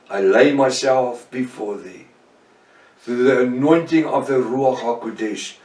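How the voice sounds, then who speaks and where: Man, Afrikaans accent, fervent preacher, echoey room, distant mic. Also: mid-range voice. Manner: fervent, emphatic preaching with prayers. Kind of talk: sermon Bible study.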